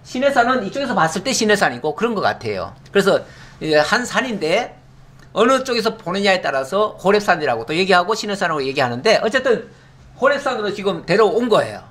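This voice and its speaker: Here a middle-aged man delivers a Bible teaching sermon, sounding like a pastor walking his congregation through scripture. He asks rhetorical questions and quickly answers "yes", his fairly high voice moving in animated swings.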